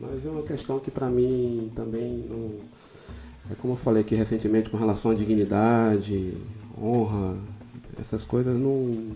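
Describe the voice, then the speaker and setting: Long, frequent pauses mark a man's speech at a moderate pace. His medium pitch shows ordinary variation. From Bahia, Brazil. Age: 40s. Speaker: goalkeeper coach. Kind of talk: casual interview. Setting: studio.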